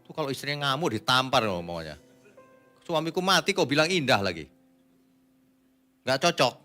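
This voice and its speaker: A man, a pastor, preaching a sermon in a conversational way, asking the congregation questions and moving between quiet asides and loud emphatic lines. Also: medium pitch, sing-song, moderate pace, soft background music.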